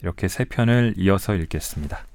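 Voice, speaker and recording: A man in his forties, an author reading his own essays aloud in a slow, measured, reflective way, pausing to talk to listeners between passages. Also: sits low, expressive, a little mellow, smooth, no echo, soft background music. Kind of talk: calm literary reading aloud.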